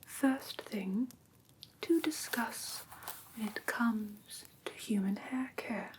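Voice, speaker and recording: An ASMR performer voices a prim, strict female vampire who teaches a roleplay class on caring for human pets. Her soft, breathy whisper sits on the high side, and her delivery is formal, precise, deliberate, and theatrically stern, with an instructive mood.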